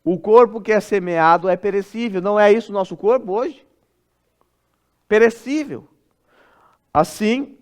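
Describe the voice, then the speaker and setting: A man with a Brazilian Portuguese accent preaching an expository sermon in a church, expressive and dropping soft and low when he acts out a parent speaking. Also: smooth. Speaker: pastor.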